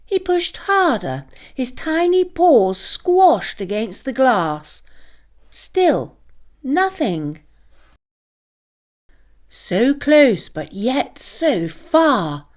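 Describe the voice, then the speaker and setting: A woman narrates a children's story in a high voice with a highly varied melody. She takes it very slowly, shaping the scripted lines dramatically and expressively. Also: very animated.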